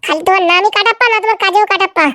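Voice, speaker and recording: A performer puts on a bossy cartoon madam with an extremely high voice and a dry, close sound. She gives orders and haggles impatiently at a very fast clip, every bit the schemer. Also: steady tone, bright, forceful tone, no room sound. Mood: commanding, impatient. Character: bossy, scheming rich madam hiring a kidnapper. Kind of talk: comedy cartoon dialogue.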